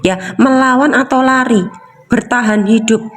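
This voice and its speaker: Woman coach, casual talk, fairly high voice, keeps asking rhetorical questions. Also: a little slow. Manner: repetitive, asks rhetorical questions. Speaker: emotional release coach. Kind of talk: casual teaching talk to viewers.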